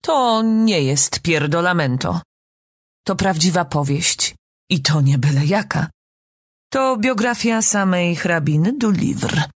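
A woman reading an audiobook, voicing a self-important middle-aged writer who is a mother, with a husky voice and a lofty, theatrical manner. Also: on the low side, animated, takes it slowly, dry recording, clean studio sound. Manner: lofty and theatrical, then soothing. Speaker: audiobook reader.

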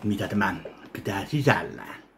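Low-voiced man unboxing fan mail at home. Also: expressive, very noisy. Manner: slow, wry self-mocking commentary. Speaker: YouTuber opening fan mail. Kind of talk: casual unboxing vlog. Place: home kitchen, indoors. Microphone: webcam in front of him.

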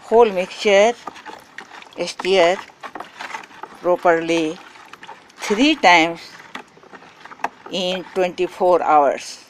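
Slow, clipped woman giving garden instructions. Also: lowish voice, a little hiss or hum, low-quality recording. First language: Hindi. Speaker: gardening channel host. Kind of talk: step-by-step how-to narration.

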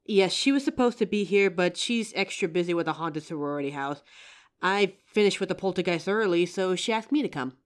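Here a young adult woman plays an earnest young psychic in a scripted audio drama, addressing the listener with confidence and a helpful, polite, assured manner. Her voice sits fairly low and moves fairly quickly, expressive and lightly acted.

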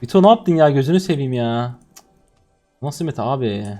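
Lively young male gamer streamer. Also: mid-range voice, normal speed, soft background music. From Turkey. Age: 20s. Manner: swings from muttering to shouting and laughing. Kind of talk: excited gameplay commentary.

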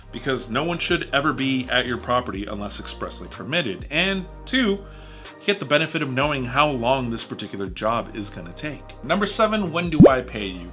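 Male vlogger, 30s, bright lively delivery with big pitch swings, jokey; faint music bed. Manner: animated, jokey, gestures widely with his hands. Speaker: home renovation YouTuber. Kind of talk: scripted advice talk to camera. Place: small home studio room with posters.

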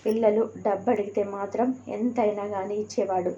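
Woman storyteller, mellow, flat-toned delivery, dull lo-fi recording, earnest devotional narration. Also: medium pitch, fairly quick, breathy edge. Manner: steady, earnest storytelling, voicing each character in her own tone.

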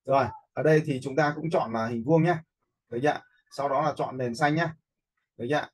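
A man giving a casual screen-share software lesson, often checking in with his learners through short questions. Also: medium pitch, fairly quick. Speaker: instructor in animation software tutorial.

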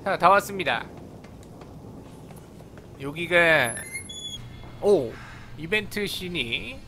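A gaming video host offers casual live commentary over video game sound, playful and exclamatory as he talks back to the characters. His voice sits on the high side, with lively intonation, drawn-out words, a sharp tone, and slight background noise.

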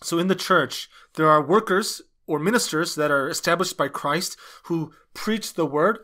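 Male sermon interpreter, slightly high-pitched, halting phrase-by-phrase preaching delivery. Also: pushed and bright. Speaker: interpreter dubbing a pastor's sermon.

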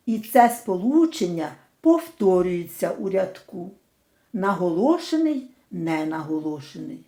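A woman teaching in a slow, deliberate scripted lesson narration, carefully spelling out syllables. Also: on the high side, darkish tone, reverberant.

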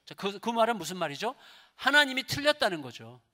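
Middle-aged male pastor, sermon delivery, high and lively, questions the pews often, long church-hall reverb. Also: fairly quick. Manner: animated, asks the congregation many rhetorical questions, swings between soft and loud. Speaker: guest pastor preaching at a revival service. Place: church sanctuary.

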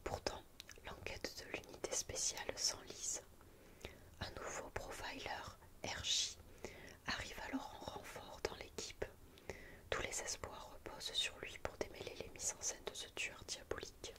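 A young adult woman with a French accent, speaking in a hushed, breathy ASMR library whisper close to the microphone. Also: measured pace. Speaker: ASMR video host. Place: quiet indoor room. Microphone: close studio mic with furry windscreen.

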